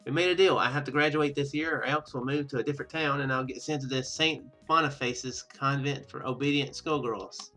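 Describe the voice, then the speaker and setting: A man's voice: mid-range voice, steady tone, a little fast, hardly any pauses, sharp tone, soft background music, natural voice, poor audio. A man voicing a determined young female student and secret fighter in a visual novel game, earnest and confiding.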